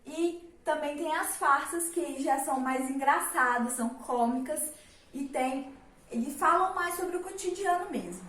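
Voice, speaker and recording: Speaking in a high, somewhat bright voice at an unhurried pace, a young woman gives a relaxed, chatty literature lesson packed with fillers and rhetorical questions. The audio sounds roomy, picked up by a distant mic.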